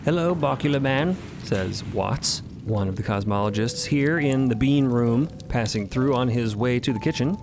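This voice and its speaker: A man's voice: medium pitch, moderate pace, hardly any pauses, background noise. A man co-narrating a fantasy audio story in a scripted but conversational style. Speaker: podcast co-narrator.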